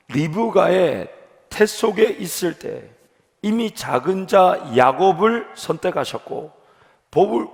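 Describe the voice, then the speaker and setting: Preaching man with a high voice. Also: vocal fry. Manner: earnest preaching, rising with emphasis. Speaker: pastor. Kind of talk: sermon. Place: church sanctuary. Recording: long hall reverb.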